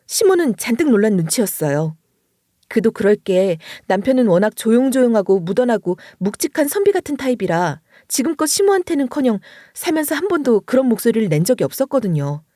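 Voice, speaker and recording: Woman narrating a dramatic story, very expressive. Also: fairly high pitch, dry recording, studio quality. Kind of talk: dramatized first-person story reading.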